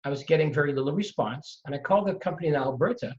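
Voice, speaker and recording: A middle-aged man from Trinidad and Tobago tells his story with lively emphasis. His voice sits a little high for a man. The audio is dull and lo-fi, as if the top end is gone. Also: racing. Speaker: real estate investor guest. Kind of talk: storytelling in conversation.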